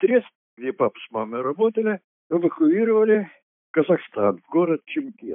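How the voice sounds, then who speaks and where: His pitch swings very widely as this man speaks at a moderate pace. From Moscow, Russia. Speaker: war-time childhood eyewitness. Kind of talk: interview reminiscence.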